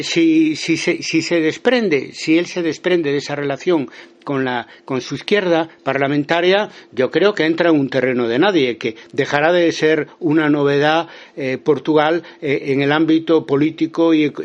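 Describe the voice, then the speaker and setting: A man with an accent from Spain giving spontaneous political commentary in an interview, haltingly, often repeating words and restarting. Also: a little high, highs cut off. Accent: Spanish from Spain. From Galicia, Spain.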